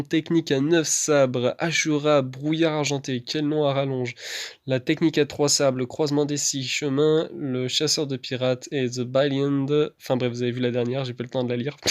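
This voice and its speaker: A man talking through a gameplay video in a relaxed, chatty way. His voice is smooth and clear, and his pitch stays fairly level. He keeps pausing on fillers and restarting his sentences. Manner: hesitant, full of fillers and restarts. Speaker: gaming YouTuber. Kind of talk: casual gameplay voice-over commentary.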